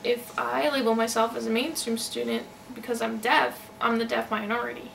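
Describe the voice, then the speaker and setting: A woman voicing an interpretation of a signed personal account in halting phrases, recorded on a noisy, distant microphone. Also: a little high, flat delivery, gravelly, a bit bright. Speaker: sign-to-voice interpreter.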